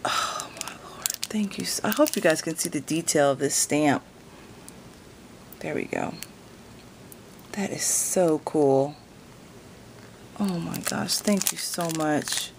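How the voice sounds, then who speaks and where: A woman with a lowish voice unwraps presents at home and talks slowly and casually to her viewers. She gushes, repeats her thanks over and over, and sometimes falls to an awed whisper. Loud crinkling and rustling of wrapping paper runs under her voice. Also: gravelly, slight background noise. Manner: gushing, repeats thanks and exclamations; drops to soft whispers when awed. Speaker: craft vlogger opening gifts. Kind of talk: casual unboxing chat to camera.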